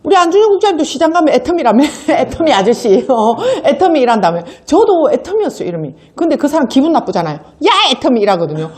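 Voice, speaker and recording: A woman's voice: sits high, sing-song, fast talker, few pauses, mellow. A middle-aged woman, giving a motivational seminar talk, telling stories animatedly and acting out quoted voices with frequent laughs. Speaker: sales seminar speaker.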